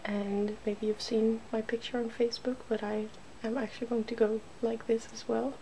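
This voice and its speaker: A woman's voice: fairly high pitch, flat delivery, normal speed, dark tone, poor audio. A woman hosting an ASMR video, chatting casually and informally as she works on someone's makeup. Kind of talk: ASMR, casual chat while doing makeup. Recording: noticeable background noise.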